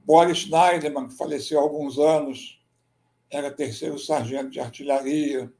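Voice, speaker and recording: Brazilian male historian presenting slides; mellow, dark voice, slightly higher than average, explanatory. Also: fairly even intonation. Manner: measured, explanatory, with frequent "né?" tags. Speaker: military history researcher and writer.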